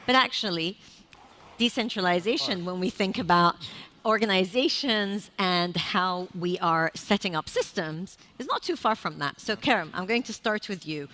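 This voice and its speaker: A woman's voice: mid-range voice, expressive, moderate pace, bright, forceful tone. A woman moderating a conference panel, speaking fluently and framing the discussion. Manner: fluent, composed, introduces and frames topics. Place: conference stage.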